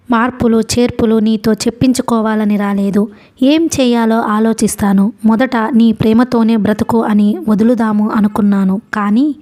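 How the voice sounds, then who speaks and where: A woman's voice: on the high side, mellow, natural voice. A woman reading the part of a stern, proud wealthy father who speaks harshly and commandingly, in an audiobook.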